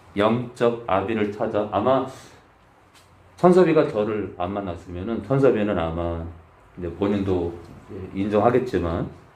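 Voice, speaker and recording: Fairly slow with long, frequent pauses, a man talks at a fairly low pitch with ordinary pitch variation, and room echo is audible. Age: 50s. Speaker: pastor. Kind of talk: sermon.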